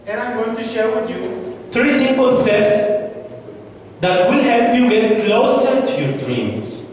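A young man delivers a rehearsed English speech in a slow, measured way, leaving long dramatic pauses. His voice is fairly high for a man. He is heard from far off across a big, echoing auditorium with a light hiss. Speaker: speech contestant. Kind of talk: memorized contest speech. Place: large indoor auditorium stage. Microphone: far camera, no visible mic. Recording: echoey hall from far off, faint hiss.

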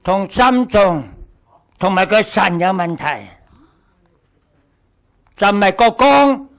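An older man with a Hong Kong Cantonese accent gives a health lecture in a small hall. His voice sits very high and he talks slowly. He is blunt and teasing and repeats his points. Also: expressive, vocal fry. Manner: blunt, joking, repeats himself. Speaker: teacher. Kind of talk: lecture with audience questions.

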